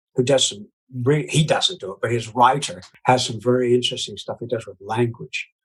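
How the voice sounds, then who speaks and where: A man with an American accent talks at a moderate pace in a medium pitch, his voice somewhat breathy and his pitch varying in an ordinary way. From US Midwest, Iowa. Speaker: puppeteer and ventriloquist. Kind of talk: podcast interview.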